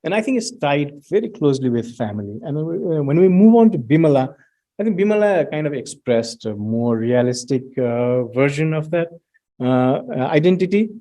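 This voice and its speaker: A middle-aged man presenting research findings at an academic talk, pausing often with fillers and restarts. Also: a little high, animated, mellow. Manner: hesitant, many fillers and restarts, reads out student quotes.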